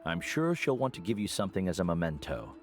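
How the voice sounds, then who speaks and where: A wise old tribal mentor with a very deep voice that still rises and falls expressively. He speaks in a measured, gentle way, with faint music underneath. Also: big pitch swings. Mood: teasing. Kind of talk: game voice acting.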